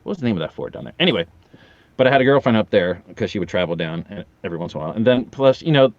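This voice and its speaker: A man's voice: lowish voice, racing, dry recording, lo-fi sound. A man in his forties chatting casually as a podcast guest, telling anecdotes and acting out the dialogue. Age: 40s. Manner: animated storyteller, acting out quoted dialogue. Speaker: podcast guest, audio drama voice actor.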